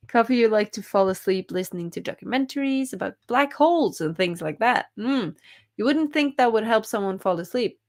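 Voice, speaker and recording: A young woman hosting a writing live stream, reading chat comments aloud in a cheerful, giggly way. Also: mid-range voice.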